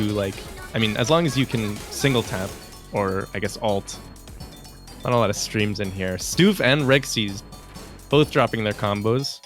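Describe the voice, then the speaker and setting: A man doing play-by-play commentary on a game tournament, relaxed and calling plays in short bursts. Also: mid-range voice. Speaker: esports commentator. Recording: game music playing underneath.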